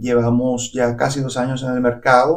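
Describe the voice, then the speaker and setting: Against a quiet background, a man with a Venezuelan accent speaks at a moderate pace. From Venezuela, Acarigua (Los Llanos). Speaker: entrepreneur. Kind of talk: interview. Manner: hesitant, many fillers. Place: studio. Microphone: studio mic.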